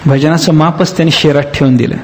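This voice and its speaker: A man giving a devotional discourse as a spiritual teacher, telling a story with lively acted-out voices and slowly chanted verses. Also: fairly high pitch, slight background noise. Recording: long hall reverb.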